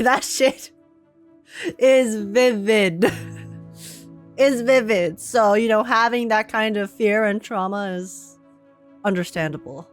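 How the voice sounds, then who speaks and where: A woman reacting casually to a game on stream, giggly and excitable, with slang and swearing. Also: mid-range voice. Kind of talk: casual gaming reaction commentary.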